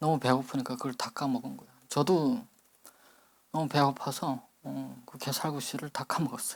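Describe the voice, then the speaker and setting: This man talks at a moderate pace and a medium pitch. His intonation stays fairly even while his loudness swings a lot. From North Korea. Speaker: seminary student preacher. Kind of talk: testimony. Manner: halting.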